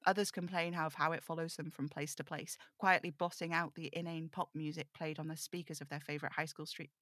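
A woman performs the host of an eerie spirit broadcast in an audio drama, speaking in a fairly low register. The delivery is measured, self-deprecating and conversational, like a confession to faithful listeners. The sound is very dry. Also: level tone, fairly bright tone, dry recording. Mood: wry, apologetic. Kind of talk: audio drama table read, scripted monologue.

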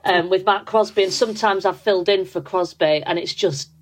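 A woman's voice: lowish voice, fairly quick. A woman in her thirties with a Yorkshire accent, a comedian chatting on a podcast and telling stories full of likes and ums. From Yorkshire, England. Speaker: comedian guest. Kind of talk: casual podcast chat.

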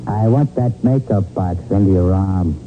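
An actor playing a defiant, tough American gangster in a 1940s radio crime drama, talking in hard-boiled slang. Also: male voice, sits low, measured pace, phone-quality sound. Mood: menacing, cocky. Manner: slangy tough-guy talk. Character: cornered, defiant tough male gangster and killer. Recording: band-limited old 1940s radio recording, music behind.

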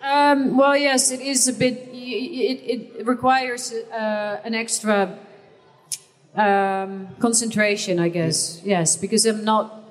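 Panel guest: Dutch-accented woman, slightly high voice, pauses to find words, long hall reverb. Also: fairly even intonation, faint music behind. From Netherlands. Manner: hesitant, searching for words. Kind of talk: live panel Q&A.

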